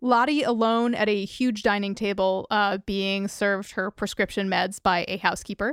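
A woman with an ordinary speaking voice and an American accent, medium in pitch, at a moderate pace with fairly even intonation and hardly any pauses, dry and close with no echo, on a very clean recording with a silent background. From New Jersey. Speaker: podcast co-host. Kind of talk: casual chat.

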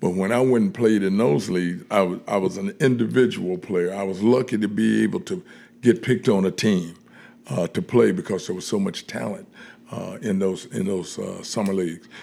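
With an American accent, a man speaks at a fairly low pitch in a dark, mellow tone. His pace is moderate and his pitch variation is ordinary. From Syracuse, New York. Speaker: retired basketball coach. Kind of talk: casual interview. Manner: laughs often.

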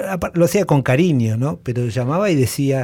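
Lively intonation in a man's dark, mellow, somewhat breathy voice. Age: 50s. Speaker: former radio host and producer. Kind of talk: interview.

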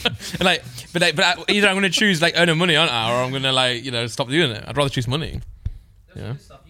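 In an English accent, a man with a fairly high pitch talks very fast with lively intonation over noticeable background noise. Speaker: podcast co-host. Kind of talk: casual chat.

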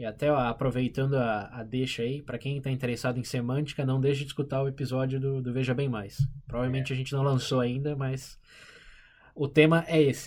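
At a fairly quick pace, a man with a Brazilian accent speaks at a medium pitch. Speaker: podcast host. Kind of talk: casual chat; reading announcements. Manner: animated.

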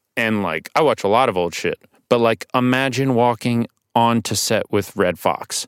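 A normal speaking voice with an American accent moves at a moderate pace with ordinary pitch variation, the sound dry and close with no echo. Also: man, medium pitch for a man. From New York City. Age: 30s. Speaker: actor. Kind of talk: casual chat. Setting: studio.

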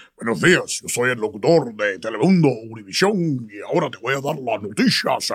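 Very fast speech from a man in a put-on character voice at medium pitch. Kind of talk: broadcast announcer. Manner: fake, exaggerated announcer voice.

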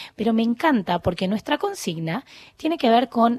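A woman speaks at a moderate pace with lively intonation and a somewhat breathy quality. The sound is dry and close, with no echo. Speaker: radio host. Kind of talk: casual chat.

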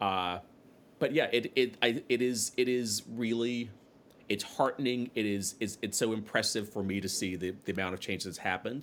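A man with a plain, everyday voice talks at a moderate pace and medium pitch, his intonation fairly even. The recording is very clean, with a silent background. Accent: American. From North Carolina. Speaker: Broadway performer. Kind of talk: interview.

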